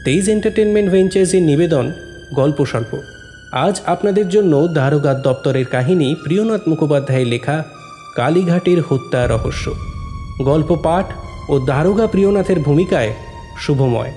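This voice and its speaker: A man's voice: on the high side, animated, normal speed, mellow, faint music behind. A man presenting an audio story series, reading a scripted introduction as its announcer.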